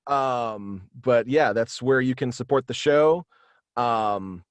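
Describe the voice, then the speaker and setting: Casting: young adult male, mid pitch, dry close sound, halting casual podcast guest who rambles. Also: clean tone, dry recording. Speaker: guest, voice actor and podcast creator. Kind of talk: casual interview chat. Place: small room at home, video call.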